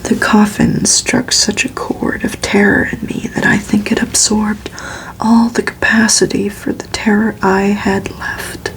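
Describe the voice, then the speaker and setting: A woman whispering a novel aloud as ASMR, in a breathy, soft and soothing, unhurried delivery. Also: medium pitch, low-quality recording. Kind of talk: whispered ASMR audiobook reading.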